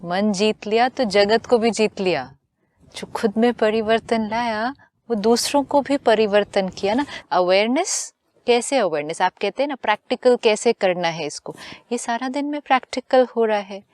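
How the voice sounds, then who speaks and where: A woman with an Indian accent, a spiritual teacher speaking slowly and gently in a calm conversation. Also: fairly high pitch, dry recording. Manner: slow, gentle, deliberate speech mixing in English phrases.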